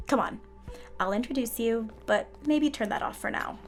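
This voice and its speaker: A woman's voice: a little high, moderate pace, music in the background, close to an everyday voice. A woman playing a sly, helpful hospital nurse in a fiction podcast, self-assured and teasing. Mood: conspiratorial.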